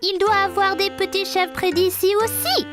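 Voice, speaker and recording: Small cartoon boy, very high childlike voice, inquisitive, naive, faint music underneath. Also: fairly even intonation, normal speed. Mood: chatty. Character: curious, excitable little boy in a children's cartoon. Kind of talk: French-dubbed children's cartoon acting.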